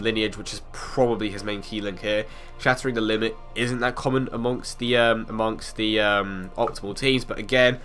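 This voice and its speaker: A man's voice: medium pitch, pushed and bright. A young man with a bit of a cold, hosting a casual game analysis video in a chatty way full of ums and restarts. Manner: chatty, lots of ums and restarts, quick laughs. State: has a cold, sounds a bit off. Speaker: mobile game video host.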